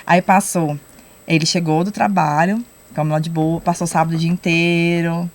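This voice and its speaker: A young adult woman telling a personal faith testimony on a podcast, lively and acting out the lines she quotes. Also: on the low side, normal speed. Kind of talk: casual testimony storytelling.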